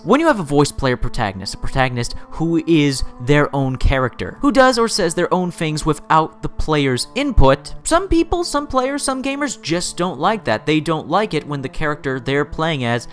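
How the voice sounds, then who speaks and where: A man with a fairly high voice and very lively, swinging intonation delivers opinion commentary as a show host. He leans hard on key words and stacks phrases for emphasis, with light music behind him. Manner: emphatic, repeats and builds phrases for stress.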